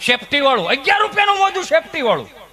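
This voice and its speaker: Male storyteller-comic, Kathiyawadi accent, high bright voice, rambling live stand-up style. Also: big pitch swings, quick pace. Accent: Kathiyawadi Gujarati. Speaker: comedian.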